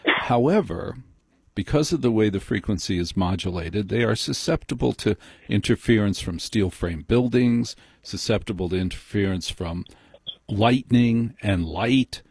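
A man's voice: on the low side, a little slow, darkish tone, slightly rough, dry recording, studio quality. An American man hosting a live call-in radio show, chatting casually and explaining things courteously. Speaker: radio talk show host. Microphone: close studio broadcast mic.

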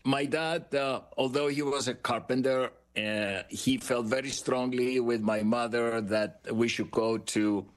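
An older man with a Greek Cypriot accent speaks in a measured, reflective way. He tells his story as an interview guest, pausing often to gather his thoughts, his pitch sitting at an ordinary middle height. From Cyprus. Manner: measured, reflective, frequent "uh" pauses. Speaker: guest, author. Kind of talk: interview answers, life story.

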